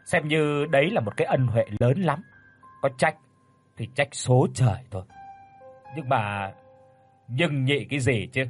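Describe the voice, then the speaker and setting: A man's voice: medium pitch, a little slow, pauses often, faint music behind, close to an everyday voice. A man doing a scornful, harsh village sorcerer. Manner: harsh, contemptuous.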